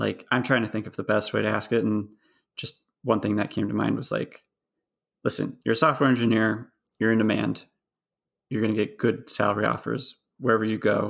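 Flat and monotone, a man with vocal fry and a fairly low pitch moves at a fairly quick pace broken by long, frequent pauses. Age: 30s. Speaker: podcast host. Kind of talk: casual chat.

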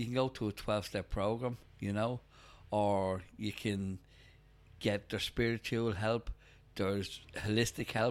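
In a very clean recording with a silent background, a man speaks with a Dublin accent at a fairly low pitch. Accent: Dublin Irish. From Dublin, Ireland. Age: 50s. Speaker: cafe owner. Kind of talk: casual chat. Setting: in a coffee shop.

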